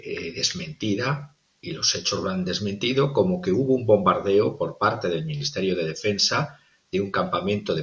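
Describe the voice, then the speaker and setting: Low-voiced male analyst, dull audio. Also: a bit bright. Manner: formal and methodical, with frequent hesitations. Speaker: political analyst guest. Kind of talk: analytical commentary.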